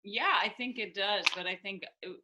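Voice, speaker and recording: A woman's voice: mid-range voice, moderate pace, noisy background. A woman from Denmark, raised in Israel, who works as a theatre director and actress, talking casually on a video call and thinking aloud as she goes. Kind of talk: casual interview chat.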